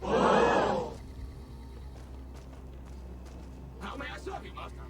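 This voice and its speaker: An actor voicing a polite, servile robot tour guide with a smooth synthetic robot voice and evenly measured service phrases, heard from a video game. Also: male voice, noisy background. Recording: game audio with music underneath. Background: game music.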